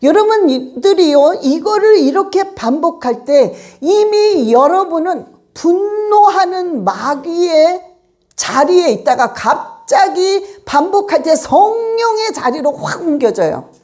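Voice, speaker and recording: A woman pastor from Korea delivers a sermon in a high voice. Her pitch leaps and dips all the time as she presses each point home. She repeats her urgings again and again to her listeners. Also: lively intonation, slow, darkish tone. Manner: emphatic, repetitive exhortation addressing the congregation.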